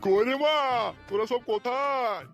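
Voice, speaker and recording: A man's voice: very high-pitched, a little slow, fairly bright tone, soft background music. A man voicing a stingy, scheming old father-in-law in a cartoon who whines and wheedles. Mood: wheedling. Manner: wheedling, self-pitying. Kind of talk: cartoon voice acting.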